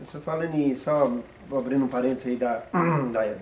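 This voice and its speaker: A man joins a casual Bible study chat in a middle-pitched voice. He speaks haltingly, restarting phrases and clearing his throat. He sounds distant, with room echo around him. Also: slight background noise. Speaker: study participant. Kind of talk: casual conversation. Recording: roomy sound from a distant mic.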